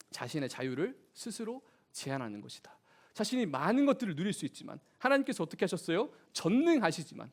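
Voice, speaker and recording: Animated high-voiced male youth preacher. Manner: animated preaching with questions to the congregation. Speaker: youth pastor. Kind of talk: sermon. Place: church.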